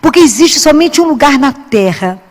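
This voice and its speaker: A woman with a Brazilian Portuguese accent giving a devotional talk, acting out dialogue in her stories and dropping low and soft on prayers. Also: animated, moderate pace, big-room sound. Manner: warm storytelling, acts out dialogue, drops low and soft on prayers. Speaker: Catholic speaker and doctor.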